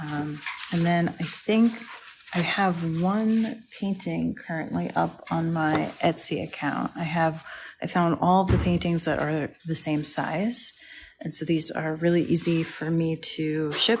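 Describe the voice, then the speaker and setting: Speaking at a fairly slow pace with an American accent, a woman has a somewhat breathy, fairly low-pitched voice with ordinary pitch variation. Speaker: painter and former chemistry teacher. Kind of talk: live painting stream chat. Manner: casual, relaxed.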